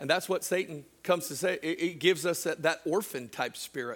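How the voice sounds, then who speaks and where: With a slight Southern US accent, a man talks at a fairly quick pace in a high-pitched voice with a bright, sharp tone. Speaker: pastor. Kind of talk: sermon. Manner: hesitant, fillers.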